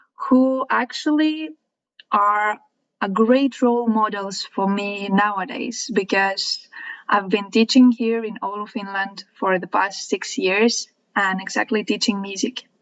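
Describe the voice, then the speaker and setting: In a Lithuanian accent, a woman talks at a fairly slow pace with a fairly high pitch and ordinary pitch variation. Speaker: student teacher and music teacher. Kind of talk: podcast interview.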